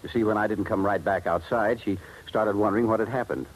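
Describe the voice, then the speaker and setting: A man's voice: fairly low pitch, fairly quick, natural voice. A man playing an anxious, aggrieved jeweler in 1950s radio drama, explaining himself earnestly. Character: anxious, aggrieved male jeweler, robbed and nearly ruined. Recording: noisy vintage 1950s radio recording.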